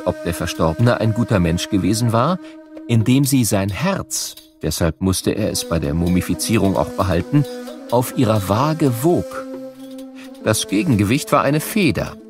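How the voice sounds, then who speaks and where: A man narrating a scripted educational audiobook for children with measured, clearly phrased storytelling. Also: on the low side.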